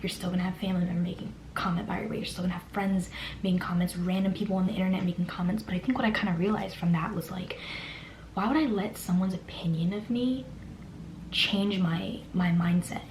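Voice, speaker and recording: A woman's voice: fairly low pitch, fairly even intonation, quick pace, a little mellow. A young woman whispering a personal story in a chatty way, full of "like" fillers. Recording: echoey room with faint hiss.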